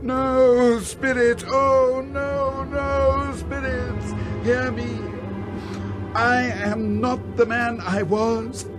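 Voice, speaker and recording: Old miser in a radio play, scared and repentant, high voice, slow, begging, music playing behind. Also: male voice. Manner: dramatic, slow, imploring. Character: frightened, repentant old miser pleading with a spirit. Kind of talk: radio drama acting.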